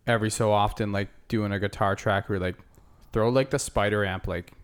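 A man's voice: on the low side, fairly quick, clean tone. A young man co-hosting a casual podcast, rambling with many fillers and acting out little quotes. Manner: rambling, filler-heavy, lively impressions. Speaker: podcast co-host, band member. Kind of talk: casual chat.

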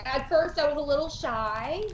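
A woman's voice: high voice, normal speed. A woman chatting casually as a guest artist on a show. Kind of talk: casual chat. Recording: very echoey room, faint noise.

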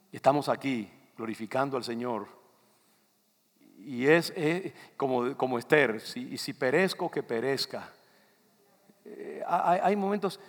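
Older Dominican man, pastor preaching, gravelly, ringing church hall. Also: fairly high pitch. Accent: Dominican Spanish. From Dominican Republic. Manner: conversational, loose preaching with asides to the congregation. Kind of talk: sermon. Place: church sanctuary. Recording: long reverb of a church hall.

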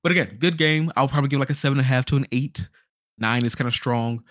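A man co-hosting a podcast, giving a casual game review in an animated storytelling way, acting out reactions. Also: medium pitch, quick pace, dry recording, studio quality. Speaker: podcast host.

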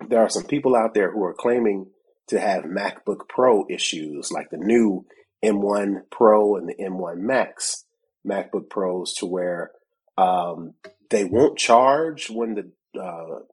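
Congested deep-voiced man hosting a podcast. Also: slow, a little mellow, breathy edge, rough recording. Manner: chatty, laughs often, acts out both sides of a conversation. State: congested from a cold. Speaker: podcast co-host. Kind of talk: casual tech podcast chat.

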